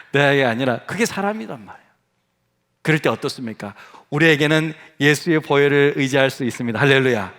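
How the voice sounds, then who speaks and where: Pastor guy preaching in church, high bright voice that jumps around a lot, jokey, keeps asking the crowd stuff. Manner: animated, playful, acts out quoted voices, asks the congregation questions. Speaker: senior pastor. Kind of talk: lively sermon with acted asides. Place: church sanctuary.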